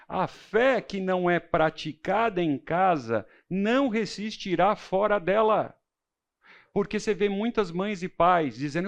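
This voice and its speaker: A middle-aged man teaching a church Bible class, preacherly and emphatic, mixing personal stories with rhetorical questions. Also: gravelly. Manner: preacherly, emphatic, shifting between low intensity and loud stress.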